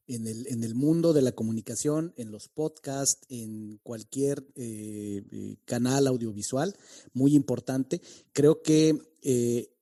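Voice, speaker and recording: A man hosting a conversational interview, reflective and halting, pausing often as he builds his sentences. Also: medium pitch, dark tone, no room sound, studio quality. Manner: halting, reflective phrasing with many pauses. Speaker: podcast host.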